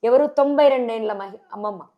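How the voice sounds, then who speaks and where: A woman with a Telangana Telugu accent, a sarpanch candidate answering in a TV interview, forceful and full of rhetorical questions. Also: a little high, quick pace, muffled recording.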